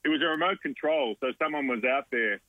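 A man with a deep voice, answering questions as an easygoing radio guest who laughs often. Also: brisk, dry recording, narrow, tinny audio. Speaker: radio guest, children's entertainer. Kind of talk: casual radio interview.

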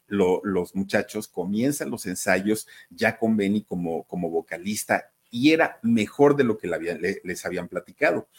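A man's voice: on the low side, slightly rough. A man, telling a story in a chatty way and talking straight to his listeners. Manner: chatty, addresses listeners directly. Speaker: storyteller host. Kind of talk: casual storytelling.

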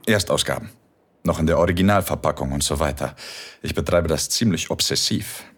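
A man playing a calm, teasing male philosophy professor in an audio drama. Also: rumbling low, a little fast, slightly rough, full character voice. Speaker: tutor.

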